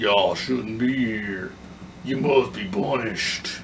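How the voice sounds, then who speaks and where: Putting on a character voice, a man speaks at a fairly slow pace and medium pitch, with clear background noise behind him. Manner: menacing.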